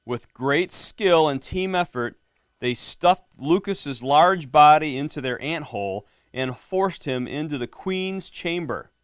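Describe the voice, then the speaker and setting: A man's voice: fairly high pitch, expressive, slow pace, smooth, dry recording, studio quality. Friendly middle-aged man reading to kids. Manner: friendly, quizzing the kids, often asks "right?". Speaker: police lieutenant reading to students. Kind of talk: reading a picture book to a class. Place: elementary school classroom.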